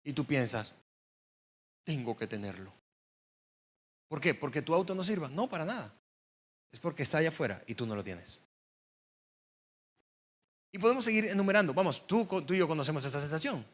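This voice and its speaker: A man's voice: fairly high pitch, very animated, a little fast, pauses often. A male pastor preaching a sermon to a congregation, talking conversationally and building up to emphatic stress on key words.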